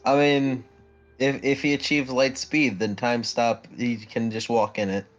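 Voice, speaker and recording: Casual male player, middling pitch. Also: level tone, a little slow, highs cut off, soft background music. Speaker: tabletop game player. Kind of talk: casual banter at a tabletop game.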